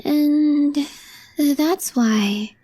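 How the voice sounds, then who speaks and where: A woman playing a calm, deadpan young female coworker with a crush in an ASMR roleplay, speaking softly and breathily in measured, short phrases. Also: high-pitched. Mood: calm, matter-of-fact. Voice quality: soft, breathy, half-whispered. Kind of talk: intimate ASMR roleplay, scripted.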